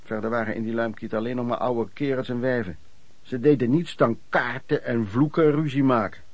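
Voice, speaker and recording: A man's voice: medium pitch, brisk, no room sound, muffled recording, close to an everyday voice. An actor playing a former traveling merchant recounting his lodging-house years in colloquial radio drama narration. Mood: reminiscing.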